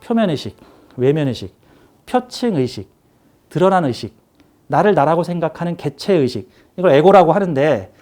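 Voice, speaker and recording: A man's voice: a little high, lively intonation, normal speed, darkish tone. A man teaching a saju class, explaining a chart with emphatic, repetitive pointing phrases. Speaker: saju lecturer. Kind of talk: classroom lecture.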